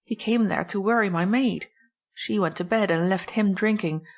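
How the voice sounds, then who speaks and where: A woman voicing an excitable, indignant baroness in an audiobook, emphatic and dramatic. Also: medium pitch, moderate pace, lightly acted. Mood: indignant, exasperated.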